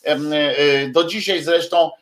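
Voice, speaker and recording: A man's voice: on the high side, fairly even intonation, takes it slowly, fairly bright tone. A man hosting a livestream, chatting casually with viewers in a hesitant, rambling way full of filler sounds and restarts, with jokey asides. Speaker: livestream host.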